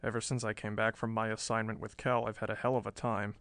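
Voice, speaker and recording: Guy doing a dazed reporter owning up, wry, quiet n low, gravelly, pulp story. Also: flat delivery, fast, dry recording. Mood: wry, weary. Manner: wry, subdued. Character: dazed male reporter sheepishly confessing his lapses. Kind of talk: dramatized pulp story reading.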